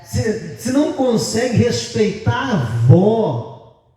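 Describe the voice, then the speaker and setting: Lively Brazilian pastor in an echoey church. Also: male voice, high voice, slow pace, recorded from a distance. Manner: chatty, joking, animated storytelling. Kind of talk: sermon. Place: large church sanctuary.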